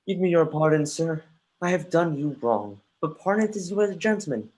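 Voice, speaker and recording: An earnest, brooding young prince played by an actor in a dramatic reading, speaking Shakespearean verse at a middle pitch. There is a playful defiance under the courtly words, heard over a livestream. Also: lively intonation, a little fast, a little mellow, a little hiss or hum, natural voice. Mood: contrite, earnest. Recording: livestreamed remote call.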